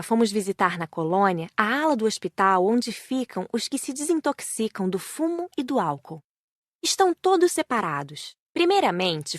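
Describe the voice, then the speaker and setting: A Brazilian-accented woman reading scripted audiobook narration in measured, clearly phrased sentences. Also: mid-range voice, fairly bright tone, dry recording, studio quality.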